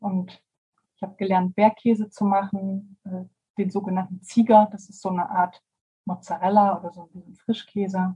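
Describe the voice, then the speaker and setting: A woman at medium pitch, somewhat breathy and dark, mellow in tone, at a moderate pace with monotone, flat intonation and big swings in loudness. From Saxony, northern (Nordsachsen). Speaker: organic farmer. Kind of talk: personal storytelling. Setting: video call from farm office.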